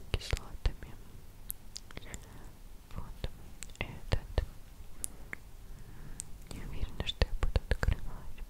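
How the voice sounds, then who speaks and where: A woman whispers at a very slow pace. Her long pauses come often. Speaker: ASMR content creator. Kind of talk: ASMR unboxing, casual talk to camera. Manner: whispered, close-mic, soft. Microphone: studio mic.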